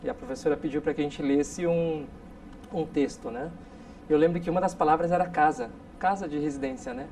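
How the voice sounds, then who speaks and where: A man in his forties from South Korea, a guest telling stories in a relaxed interview with many tag questions. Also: a little high, fairly quick. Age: 40s. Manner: storytelling, frequent tag questions. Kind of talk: casual interview talk. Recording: distant mic with faint noise.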